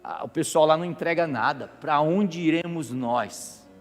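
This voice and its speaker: A man's voice: on the high side, moderate pace, in a large hall, faint music behind, voice pushed down, natural voice. A man playing Peter as a worried, devoted disciple during a sermon, pleading with stumbling repetitions.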